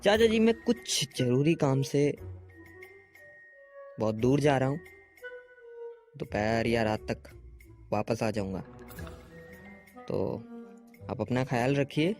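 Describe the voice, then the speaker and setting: An actor playing a friendly young man who speaks in a calm, reassuring way. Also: medium pitch, takes it slowly, pauses often, faint music behind.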